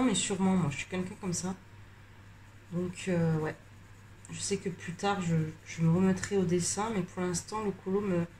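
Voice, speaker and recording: A tired, slightly congested woman chatting casually while coloring, rambling with many hesitations and pauses. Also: lowish voice, a little mellow, a little hiss or hum. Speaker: coloring vlogger.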